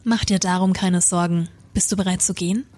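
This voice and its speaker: A woman voicing Death as a calm male shadow figure, speaking low and hushed in a soothing tone. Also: fairly quick, lightly acted.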